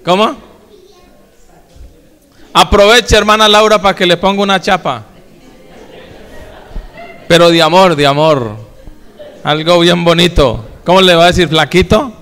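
A man preaching a sermon, folksy and direct with his congregation. His voice sits a little high and rings smooth and clear. He is heard in a church hall with a long, trailing reverb. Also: measured pace, long pauses, fairly bright tone. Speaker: pastor.

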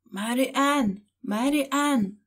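A woman voicing a fussy, short-tempered male rabbit who shouts and scolds his servant, in a husky voice. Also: mid-range voice, lively intonation, a little fast. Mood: shouting.

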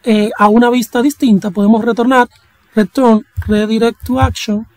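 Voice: mid-range voice, little pitch movement, moderate pace, a little mellow, no echo, rough recording. A young adult programming instructor, talking through a coding tutorial in a casual, chatty way with slang and joking asides. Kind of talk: screen-recorded coding tutorial.

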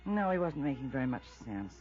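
A woman's voice: very deep voice, big pitch swings, brisk, a little mellow. An American actress playing a wealthy, glamorous young woman, coy and evasive, in 1950s radio drama style. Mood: earnest, defensive. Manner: coy, teasing, languid. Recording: dull vintage radio recording, faint music.

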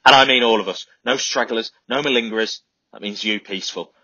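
Raging army sergeant yelling commands, man putting it on, tense husky shout. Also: low-pitched, little pitch movement, very fast, no room sound. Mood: barking orders. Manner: shouting, ranting. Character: bullying army sergeant, furious, barking orders. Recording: slightly dull lo-fi recording.

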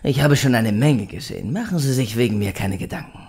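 An actor playing a polite cosmetic doctor in a horror audio drama, eager to reassure and slightly hesitant. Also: male voice, mid-range voice, expressive, brisk, darkish tone, husky. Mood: reassuring.

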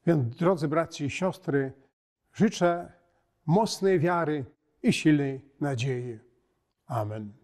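A middle-aged man, a priest, delivering a short homily in a measured, solemn way, in short phrases with pauses. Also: on the high side, darkish tone. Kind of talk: short homily, read from notes. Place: inside a wooden church.

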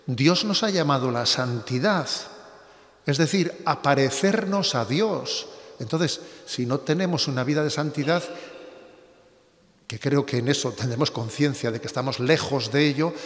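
A middle-aged bishop giving a conversational spiritual reflection, often tagging his sentences with little questions. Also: mid-range voice. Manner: conversational preaching with frequent tag questions. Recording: reverberant hall.

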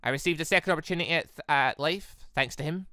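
A woman's voice: low voice, quick pace, bright, forceful tone, no echo, clean studio sound. A woman voicing a wounded, self-reproaching but defiant young maiden in a visual novel, brooding and dramatic. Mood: despairing.

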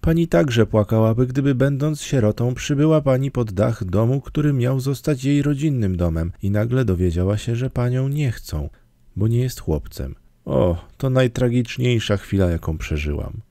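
A man's voice: moderate pace, warm tone, dry recording, clean studio sound, natural voice. A man voicing an emotional, talkative orphan girl in an audiobook, pleading and theatrical. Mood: tearful pleading. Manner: pleading, theatrical, raised higher voice. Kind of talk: audiobook character reading.

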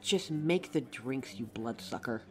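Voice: mid-range voice, lively intonation, measured pace, lightly acted. A performer playing a sassy, easily needled female werewolf customer in an audio roleplay, blunt and sardonic. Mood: irritated.

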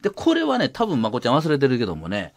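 A man's voice: mid-range voice, huge pitch swings, fast talker, no room sound. A middle-aged man with a Kansai accent, a radio regular who eagerly recounts old events and repeats his points in casual talk.

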